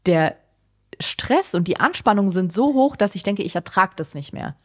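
A young woman chatting casually on a podcast, telling her own stories with animated energy and quick laughs. Her voice sits at a middle pitch for a woman. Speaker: podcast host. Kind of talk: casual chat.

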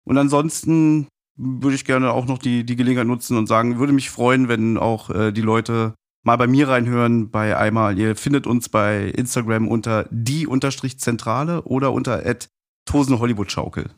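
A man's voice: mid-range voice, steady tone, moderate pace. A man speaking as a podcast guest in a casual, conversational and appreciative way. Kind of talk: casual chat.

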